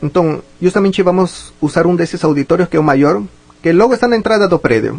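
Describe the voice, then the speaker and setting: Over noticeable background noise, a man with a strong Spanish accent speaks in a high pitch with ordinary pitch variation. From Peru, Lima. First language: Spanish (speaking Portuguese). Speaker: physics professor. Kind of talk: radio interview.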